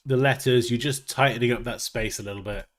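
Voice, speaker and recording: A man with a mid-range voice and fairly even intonation hosts a graphic design livestream, speaking briskly and casually as he works. He's chatty and thinks aloud, sounding sniffly and nasal from a blocked nose.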